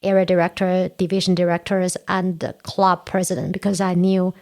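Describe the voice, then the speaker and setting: Her voice is lowish and a little mellow, with little pitch movement and a normal speed. The speaker, a woman in her forties from China whose first language is Korean, is a Toastmasters area director appearing as a podcast guest, explaining things earnestly and step by step in a casual chat.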